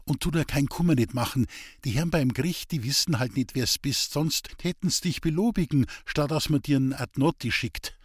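A man voicing a kind young village woman who speaks softly and gently while nursing a sick man. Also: sits low, normal speed, slightly rough, no room sound, clean studio sound. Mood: tender. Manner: soft, gentle, caring.

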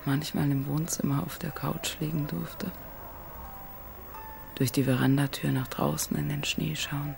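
An actress playing an exhausted woman in an inner monologue, speaking in a weary, monotone way. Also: low voice, a little slow, vocal fry, faint music behind, heavily acted. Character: exhausted woman narrating her inner thoughts. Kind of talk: inner monologue in a radio drama. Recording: noisy background.

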